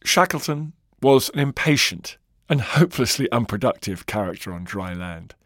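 A man's voice: medium pitch, expressive, normal speed, a bit bright, no echo, clean studio sound. A man narrating a scripted history documentary with dramatic, varied emphasis.

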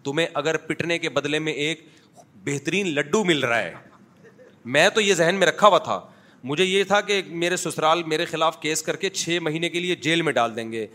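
A man's voice: on the high side, sharp tone. Frank, humorous male preacher. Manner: frank, humorous storytelling with acted dialogue. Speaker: mufti giving a Sunday lecture. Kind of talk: sermon with anecdotes and audience questions. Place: mosque, before a congregation.

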